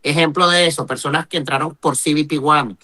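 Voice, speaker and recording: A man's voice: fairly high pitch, steady tone, fairly quick, sharp tone. A man from Venezuela, a journalist and activist answering in an interview, emphatic, with rhetorical questions and tag questions. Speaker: journalist and human rights activist, interview guest.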